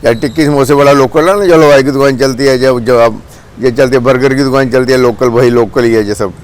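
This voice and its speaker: A man's voice: mid-range voice, fairly even intonation, a little fast. A man with a Punjabi accent from Punjab, India, giving a blunt, scolding monologue outdoors. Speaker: vlogger. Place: outdoors with birds and a cat nearby.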